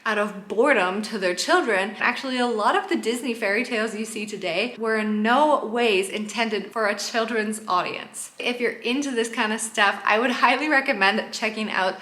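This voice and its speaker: A woman's voice: on the high side, moderate pace, hardly any pauses, a bit bright. A woman hosting a travel vlog in an enthusiastic explainer style. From Canada. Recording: roomy, echoing sound.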